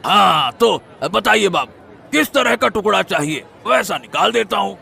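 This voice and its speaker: A man voicing a flattering, eager-to-please village meat seller with a gravelly, high voice in a cartoon story. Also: unhurried, a faint crowd, exaggerated voice. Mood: fawning. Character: fawning male village meat seller, middle-aged. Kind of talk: Hindi cartoon voice acting.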